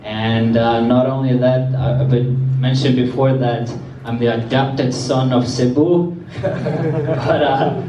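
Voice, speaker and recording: A man's voice: medium pitch, steady tone, noisy background. Man from Iceland on a panel stage. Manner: halting, many fillers and restarts. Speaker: panelist, travel creator. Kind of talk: panel introduction. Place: event hall panel. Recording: echoey hall from far off.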